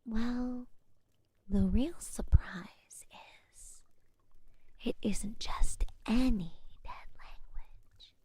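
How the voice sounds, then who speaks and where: Very slow, whispering scholarly witch played by a woman. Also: a little high, no echo, heavily acted. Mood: pondering, reassuring. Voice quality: soft, breathy, mostly whispered. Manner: slow, measured, pausing with thoughtful hums. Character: calm, curious scholarly witch tending a cursed student. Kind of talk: soft-spoken ASMR roleplay.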